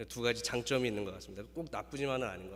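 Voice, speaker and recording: A man speaks very fast at a medium pitch, with vocal fry in his voice. Room echo is audible around him. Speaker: pastor. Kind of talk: sermon. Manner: speeds up when preaching.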